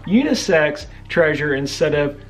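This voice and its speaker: A man's voice: on the high side, very animated, a little slow, faint music behind. A middle-aged man co-hosting a casual vlog, chiming in with dry jokes. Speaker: co-host. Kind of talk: casual chat to camera. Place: indoor home studio set.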